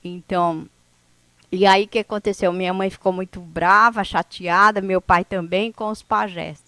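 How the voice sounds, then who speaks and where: A woman from the São Paulo coast whose first language is a Brazilian indigenous language, telling her life story to an audience in an unhurried, conversational way. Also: mid-range voice, steady tone, bright, forceful tone, no echo. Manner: unhurried, conversational, with frequent "né?" tags and restarts. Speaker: indigenous speaker at an event.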